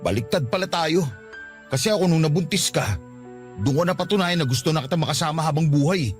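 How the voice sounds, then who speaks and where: Isang lalaking gumaganap sa dramang pag-ibig sa radyo bilang nasaktan at mapait na batang nobyong iniiwan, puno ng panunumbat. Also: male voice, on the high side, fast talker, soft background music, close to an everyday voice. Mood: incredulous, hurt. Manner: wounded, reproachful. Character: hurt, bitter young boyfriend being dumped. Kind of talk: radio romance drama acting.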